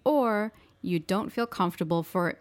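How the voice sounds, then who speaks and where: A woman co-hosting an English-learning podcast, explaining things in a clear, friendly way. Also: medium pitch, unhurried. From United States. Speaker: podcast co-host.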